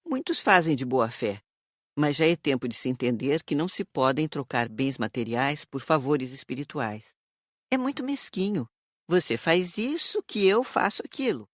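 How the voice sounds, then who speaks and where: A woman with a Brazilian accent playing a calm, didactic spirit teacher in an audiobook drama. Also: deep voice, no echo, clean studio sound. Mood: instructive, earnest. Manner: didactic, measured.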